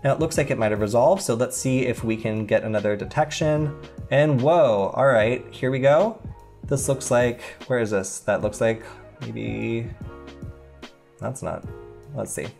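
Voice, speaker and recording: A young man talks through a computer tutorial in a loose, conversational way. His voice sits in an ordinary middle register, and he often stops to think out loud as he clicks through. Quiet music plays faintly behind him. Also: medium pitch, measured pace, creaky. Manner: conversational, thinking aloud while demonstrating. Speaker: tutorial host. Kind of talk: screen-recorded tech tutorial.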